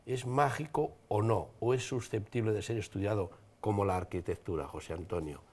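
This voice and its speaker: A man giving his closing thoughts on a studio talk show. His voice sits low, and he speaks in an earnest, reflective way. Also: normal speed, a little mellow, husky. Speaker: studio guest, psychology enthusiast.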